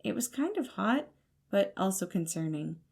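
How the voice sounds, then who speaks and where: A woman's voice: medium pitch, big pitch swings, moderate pace, vocal fry, darkish tone. A woman reading scripted fiction as the narrator of an audio story. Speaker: podfic narrator.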